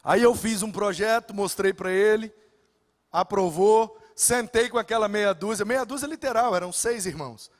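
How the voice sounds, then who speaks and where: A man's voice: high-pitched, moderate pace, in a large hall. A male pastor preaching a sermon, telling stories with humor and acting out the dialogue. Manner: storytelling, acts out dialogue with humor. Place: church sanctuary.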